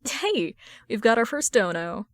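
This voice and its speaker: A woman's voice: fairly high pitch, very animated, unhurried, fairly bright tone, no room sound, studio quality. A woman reading the part of a teasing young man, a sarcastic best friend with a casual manner, in a story. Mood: announcing.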